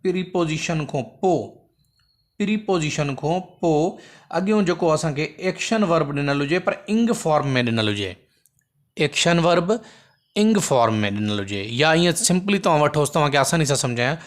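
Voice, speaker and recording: A man teaching English grammar, explaining patiently and repeating points, reading example sentences slowly. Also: fairly high pitch, expressive. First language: Sindhi. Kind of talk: recorded lesson explanation.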